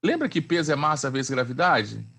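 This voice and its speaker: A man's voice: medium pitch, lively intonation, moderate pace, vocal fry, fairly bright tone. A man teaching a physics class online in a chatty, slangy way, often asking the students questions.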